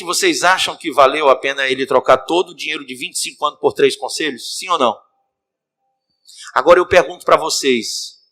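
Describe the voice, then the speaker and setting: A man preaching in a church, telling a story as a sermon and calling out to the congregation, with a Cearense Brazilian Portuguese accent. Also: a little high. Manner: animated, addresses the congregation directly. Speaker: bishop, preacher.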